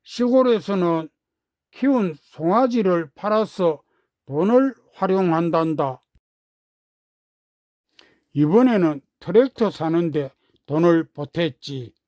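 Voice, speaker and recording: A man reading a storybook, voicing a calm country uncle who speaks slowly and deliberately. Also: high voice, dry recording, clean studio sound. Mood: hesitant. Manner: slow, deliberate, measured.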